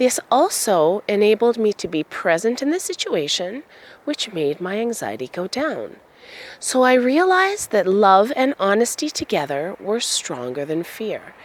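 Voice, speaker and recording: A woman with a fairly high pitch speaks at a fairly slow pace, her pitch swinging very widely. Noticeable background noise runs underneath. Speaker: social anxiety coach. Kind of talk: personal testimony.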